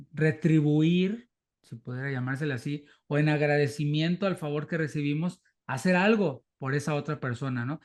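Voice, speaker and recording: A man with a Mexican Spanish accent and a slightly raised pitch talks things through as an interviewer. He speaks thoughtfully, restarting phrases and repeating words as he feels his way toward each point. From southern Mexico. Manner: thoughtful, halting, many false starts. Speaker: church interviewer. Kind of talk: conversational interview, reflective.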